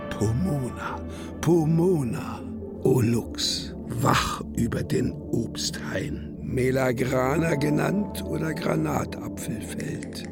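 A man playing a brooding poetic narrator in a literary radio drama, declaiming in deliberate short phrases. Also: a little high. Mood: incantatory. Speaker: actor reciting poetry.

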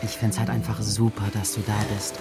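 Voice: medium pitch, level tone, a little fast, music in the background, lightly acted. An actor playing a welcoming, protective young lover in a radio play.

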